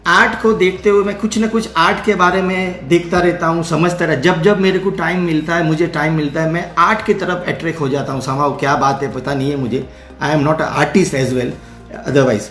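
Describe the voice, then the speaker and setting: A middle-aged man from India speaks, hosting a live talk in a halting way, full of fillers, restarts and English phrases. His voice sits a little high. The room echoes around him, with faint music underneath. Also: fairly even intonation, fairly bright tone. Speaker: theatre producer and session host.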